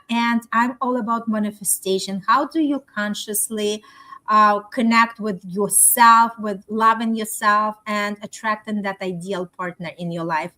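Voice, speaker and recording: Upbeat woman host, bright high voice, gushy live show chat. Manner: upbeat, effusive. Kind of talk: unscripted live talk show hosting.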